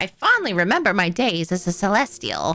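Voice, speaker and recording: A female-sounding voice speaks at a fairly quick pace and a medium pitch. It is a put-on character voice. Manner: wistful, nostalgic.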